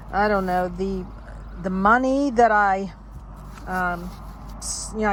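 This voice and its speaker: A woman's voice: mid-range voice, a little hiss or hum, low-quality recording. An older woman in a casual vlog, reminiscing and reading aloud in a wistful, rambling, reflective way. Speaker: vlogger. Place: inside a parked car.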